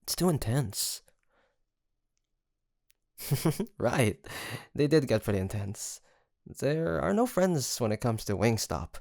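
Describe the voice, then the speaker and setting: A man's voice: mid-range voice, very animated, slow, vocal fry, long pauses, a little mellow, no echo, studio quality, heavily acted. A man playing a sweet young male roommate and best friend in an intimate roleplay audio, teasing and chatty with a playful storytelling streak. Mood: playful, mock-grand. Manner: teasing, chuckling, mock-grandiose storyteller.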